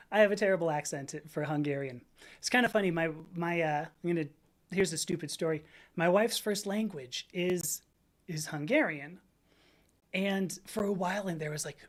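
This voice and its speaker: A woman in her fifties hosting a livestream, chatting casually in a rambling way, laughing often and reading out viewers' comments. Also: on the low side. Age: 50s. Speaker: livestream host.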